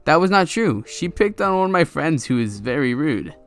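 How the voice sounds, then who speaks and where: A young man with a slightly high voice and big pitch swings reads Reddit stories aloud at a moderate pace. His casual delivery includes laughing, stumbling asides, and soft music plays quietly beneath his voice.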